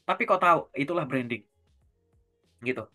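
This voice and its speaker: A man coaching job seekers in a relaxed conversation, explaining with everyday examples and asking questions to check that his listener follows. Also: mid-range voice, normal speed, soft background music. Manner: keeps tagging sentences with a casual filler. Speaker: career coach.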